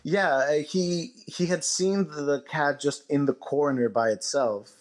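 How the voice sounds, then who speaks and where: A man's voice: fairly high pitch, unhurried. A man speaking as a guest author in a casual, conversational interview.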